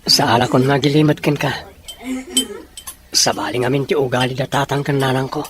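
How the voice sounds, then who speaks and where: A man's voice: medium pitch, steady tone, brisk, fairly bright tone, slight background noise, close to an everyday voice. Man playing an earnest, apologetic young man. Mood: apologetic, serious. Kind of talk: audio drama acting.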